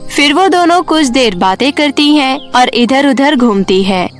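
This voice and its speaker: A woman's voice: high-pitched, expressive, a little slow, soft background music. A woman narrating a scripted children's story in a storytelling style.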